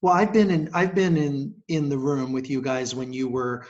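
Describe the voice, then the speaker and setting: A man's voice: medium pitch, steady tone, normal speed, a little mellow. A man hosting an interview show and asking enthusiastic questions on a video call, often breaking in with short agreeing sounds. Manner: frequent backchannel, enthusiastic questions. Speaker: podcast host and theatre director. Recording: slightly dull lo-fi sound.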